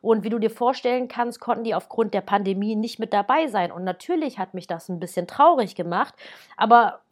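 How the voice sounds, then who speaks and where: A woman's voice: medium pitch, a little fast. A woman in her thirties, born in Germany, talking casually and directly to the listener as a wedding planner giving advice. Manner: chatty, lively, speaks directly to the listener.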